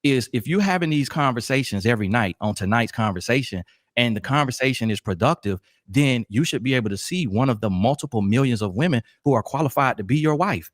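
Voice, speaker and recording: Preachy man with a lively, swinging voice. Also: mid-range voice, brisk, no echo, studio quality. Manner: preachy, emphatic, moralizing. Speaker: podcast guest. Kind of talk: heated debate.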